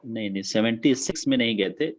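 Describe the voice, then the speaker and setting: A man's voice: medium pitch, highs cut off. A man teaching an online class, repeating key facts and dates.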